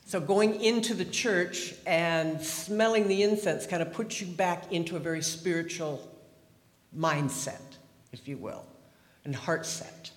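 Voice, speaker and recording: A man's voice: high voice, a little slow. A man around seventy from the Pacific Northwest of the US, giving a chatty, humorous personal testimony with wandering restarts. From Pacific Northwest, USA. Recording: echoey hall with long reverb.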